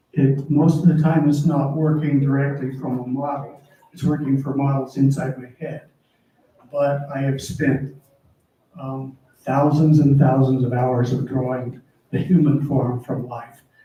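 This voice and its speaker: Pitched fairly high, a man talks at a fairly slow pace with long, frequent pauses, big swings in loudness and monotone, flat intonation, and there is audible room echo. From Wyoming. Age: 70s. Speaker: visual artist. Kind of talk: artist talk. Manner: soft-spoken; halting.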